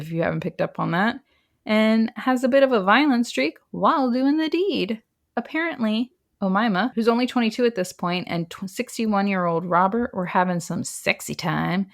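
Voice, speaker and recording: Woman telling a true crime case, wry. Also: medium pitch. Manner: laughs often, chatty and wry while telling the case. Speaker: podcast host. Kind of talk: casual true crime storytelling.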